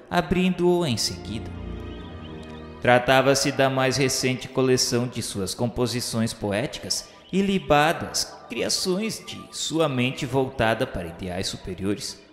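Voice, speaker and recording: A man reading a radio novela narration in a solemn, florid, measured literary style. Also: fairly low pitch. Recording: echoey long reverb over music. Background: music.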